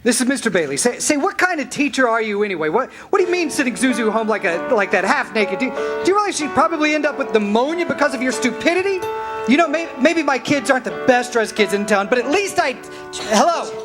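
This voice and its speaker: Frantic, stammering, high-voiced family man. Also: big pitch swings, fast talker. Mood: furious. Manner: stammering, repeating words. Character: frantic, frustrated small-town family man, husband and father. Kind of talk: 1940s radio play acting. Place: live staged reading in a television studio. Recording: music behind the voice.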